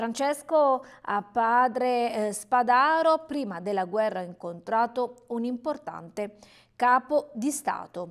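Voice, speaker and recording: In a very clean recording with a silent background, a woman with a high pitch speaks at a very slow pace with lively intonation. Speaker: newspaper review presenter. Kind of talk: newsreading of press headlines and quoted columns. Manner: formal, steady reading pace.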